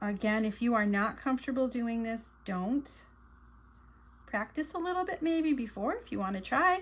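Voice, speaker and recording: This woman has a high pitch that swings very widely. She talks at a moderate pace. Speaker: craft tutorial host, shop founder. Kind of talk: tutorial. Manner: casual, chatty with filler words.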